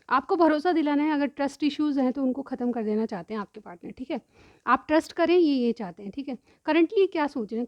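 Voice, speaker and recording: A tarot reader, a woman, goes through each card for her viewers, explaining them one at a time, frequently saying "theek hai" and repeatedly clearing a sore throat. Her voice sits high, with no echo and the highs cut off.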